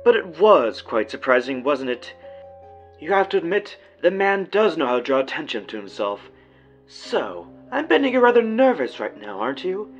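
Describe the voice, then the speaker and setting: Lilting, courtly, theatrical villain. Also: male voice, on the high side, big pitch swings, normal speed, muffled recording, soft background music. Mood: gloating, playful. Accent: faint German. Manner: courtly, mock-polite, teasing tag questions. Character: suave, theatrical psychopathic villain, serenely pleasant kidnapper. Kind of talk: audio drama acting.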